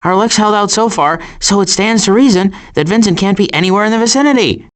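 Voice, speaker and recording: An actor voicing a cautious, worrying turtle in an animated video game, with a dry, hesitant and wry delivery. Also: male voice, high voice, quick pace, lightly acted. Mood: anxious, hesitant. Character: cautious, worrying male cartoon turtle, dryly sarcastic.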